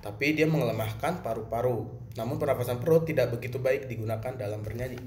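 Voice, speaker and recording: A man's voice: mid-range voice, fast talker, a little mellow, slight background noise. A male teacher with a Jakarta accent explains a music lesson plainly, asking and answering his own questions. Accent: Jakarta Indonesian. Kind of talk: recorded lesson for students. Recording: roomy with faint ambience.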